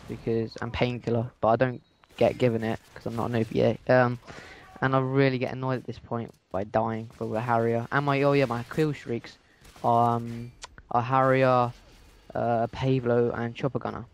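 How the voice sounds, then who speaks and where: A man's voice: mid-range voice, level tone, moderate pace, a little hiss or hum. A sixteen-year-old male from England giving casual game commentary as a guest, in a hesitant, matter-of-fact way. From England, moved from Dubai aged two.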